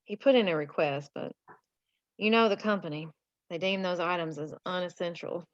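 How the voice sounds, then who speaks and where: A woman's voice: on the low side, normal speed, no room sound, muffled recording, close to an everyday voice. A woman playing a folksy, chatty married townswoman from a mining town in a screenplay table read. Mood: friendly.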